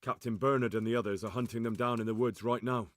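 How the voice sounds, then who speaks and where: A man's voice: mid-range voice, steady tone, quick pace, natural voice. An actor playing a dutiful young squire in a game, reporting news to his lord.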